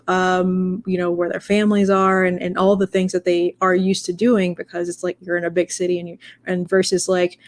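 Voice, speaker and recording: Young woman, lowish flat voice, loose chatty discussion style. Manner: rambling, many fillers and restarts. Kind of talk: casual discussion.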